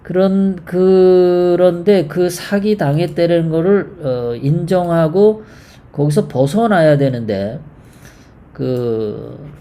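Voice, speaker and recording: A host giving live political commentary, rambling and halting, often putting rhetorical questions to the viewers. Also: mid-range voice, mellow. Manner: halting, many fillers and repeats.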